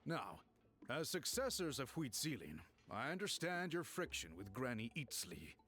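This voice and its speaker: Courteous tribal chief. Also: male voice, mid-range voice, very animated, pushed and bright. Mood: firm. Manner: measured and formal.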